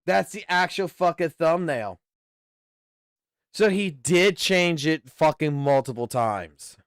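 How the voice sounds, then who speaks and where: A man's voice: a little high, lively intonation, slow, clean tone, no echo, clean studio sound. A man chatting casually as co-host, blunt and interjecting, swearing often. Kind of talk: casual chat.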